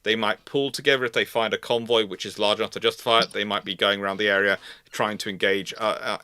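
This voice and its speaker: A man's voice: fairly low pitch, sharp tone, no room sound. A man hosting a live question-and-answer on naval history, explaining in a rambling way and often restarting his phrases. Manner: rambling, repeats and restarts phrases mid-sentence. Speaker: host of a live Q&A show.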